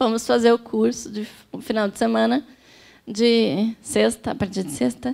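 This woman's pitch varies in an ordinary way. The background is quiet. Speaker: speaker. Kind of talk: lecture. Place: hall. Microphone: handheld.

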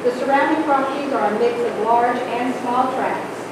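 A woman at a moderate pace, with audible room echo and loud background noise. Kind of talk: formal staff report reading. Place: hall.

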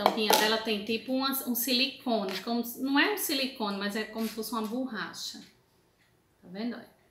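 A woman's fairly high voice with lively intonation, a moderate pace and noticeable background noise. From Brazil, Rio Grande do Norte (Mossoró). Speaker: sales consultant and video blogger. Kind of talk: casual product show-and-tell vlog. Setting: home. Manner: chatty, informal. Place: home room. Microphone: phone near.

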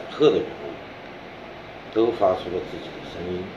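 A man is speaking, and room echo is audible. Background noise is noticeable too. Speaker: political news commentator. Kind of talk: solo news commentary.

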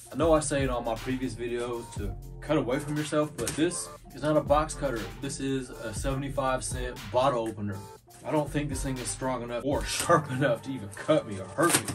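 Over clear music in the background, a man speaks at a fairly quick pace with ordinary pitch variation. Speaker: music studio vlogger. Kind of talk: casual vlog chat. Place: studio. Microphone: camera far.

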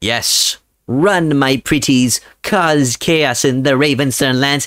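Putting on a character voice, a man speaks at a fairly slow pace and a fairly high pitch for a man. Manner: cackling, villainous.

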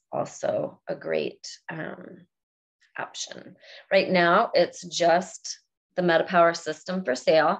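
A woman speaking at a very slow pace against a quiet background. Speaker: wellness product seller. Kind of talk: casual livestream product talk. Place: home room. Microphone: webcam.

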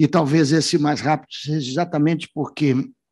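A man with a fairly high pitch speaks over a quiet background. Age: 60s. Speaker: professor; speaker. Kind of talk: conference talk. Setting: auditorium with audience. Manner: halting. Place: meeting room. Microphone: podium.

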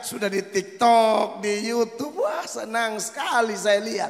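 An extremely high-pitched man's voice, raised and projected, animated in tone, at a moderate pace against a quiet background. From Kupang, East Nusa Tenggara, Indonesia. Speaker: pastor. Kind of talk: sermon. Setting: church. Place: church. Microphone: handheld.

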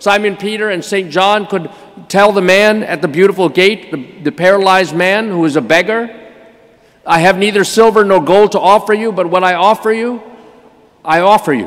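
At a moderate pace, a man talks in a high pitch with ordinary pitch variation. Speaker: bishop. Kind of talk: homily at a confirmation Mass, preaching to youth and sponsors. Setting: church. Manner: warm, lightly humorous, then earnest and exhortative. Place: church. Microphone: podium.

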